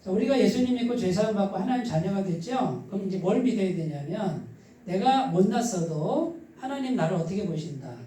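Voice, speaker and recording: A male pastor with a husky, somewhat stifled voice preaches conversationally, putting questions to the congregation and answering them himself. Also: high-pitched, lively intonation, a little fast, dark tone, slight background noise. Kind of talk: conversational sermon. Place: church midweek service, echoing room. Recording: echoey church hall, distant mic.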